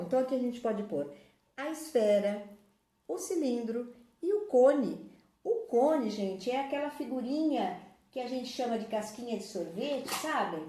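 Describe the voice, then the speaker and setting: A woman teaches children in a patient, explanatory way, often pointing things out. Her voice is mellow and soft-edged. The sound is roomy and echoey. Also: fairly high pitch. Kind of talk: classroom video lesson. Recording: echoey room.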